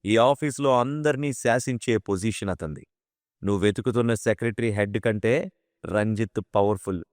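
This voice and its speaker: A man's voice: fairly low pitch, moderate pace, a little mellow, no echo, clean studio sound, lightly acted. A man voicing a haughty young woman office worker in an audio drama, cold and dismissive.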